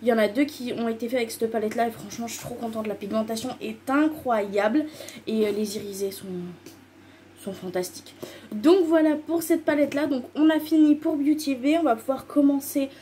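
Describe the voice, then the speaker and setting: A woman's voice: a little high, a little fast, mellow, slight background noise. Gushing chatty woman vlogger. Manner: enthusiastic, piles up repeated intensifiers; loose and rambling, many fillers. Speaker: beauty vlogger. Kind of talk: casual chatty haul video.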